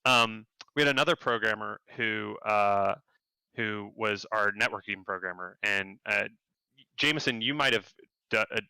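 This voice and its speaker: A man, a game developer, telling work stories in a casual interview, animated and jumping up in pitch when he quotes people. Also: measured pace, vocal fry, clear, resonant tone, no echo, low-quality recording. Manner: animated, acts out quotes in a higher voice.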